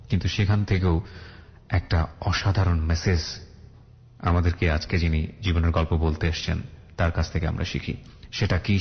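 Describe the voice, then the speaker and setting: A male radio host with a very low voice talks in a measured announcer's manner, spelling out addresses slowly and clearly. The broadcast sound is dull and muffled, with a long reverb trailing each phrase. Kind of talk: radio talk show hosting and interviewing. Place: radio studio.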